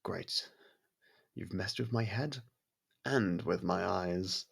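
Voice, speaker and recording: A man playing a courteous, brooding vampire in an intimate ASMR audio roleplay, with a gravelly, husky voice and halting, hushed delivery. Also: sits low, exaggerated voice. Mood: disbelieving, flustered. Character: brooding male vampire, courteous, softened toward a human. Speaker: voice actor.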